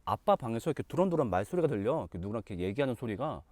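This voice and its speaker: Animated man telling a story. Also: mid-range voice, racing, dry recording. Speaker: teacher. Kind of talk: storytelling lesson.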